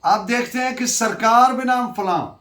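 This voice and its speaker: A woman's voice: fairly high pitch, normal speed, a bit bright. A woman with a Pakistani accent giving a didactic law lecture, asking and answering her own questions and switching into English terms. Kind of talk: law lecture, dictating case citations. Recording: echoey room sound.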